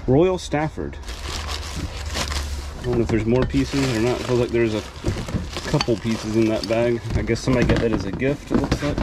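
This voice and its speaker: An easygoing man talks through what he finds as he digs through boxes in a storage container. His voice sits at an ordinary middle pitch. A clear hiss of noise runs under the body-cam recording. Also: moderate pace, pauses often. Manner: easygoing, thinking aloud while sorting. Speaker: storage auction reseller. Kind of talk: casual unboxing commentary. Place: inside a storage container outdoors. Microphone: body-worn camera. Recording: noisy handheld outdoor recording.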